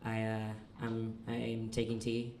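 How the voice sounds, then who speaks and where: A young trans man telling self-deprecating stand-up stories on a comedy club stage, halting often with ums and uhs. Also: completely flat delivery. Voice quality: fairly low, manly voice. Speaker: stand-up storyteller. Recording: live club recording with audience noise. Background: audience laughter.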